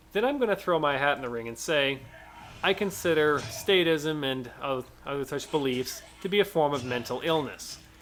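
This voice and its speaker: A man talks at a moderate pace with a fairly high pitch and ordinary pitch variation while music plays in the background. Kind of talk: opinion vlog to camera. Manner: stuttering.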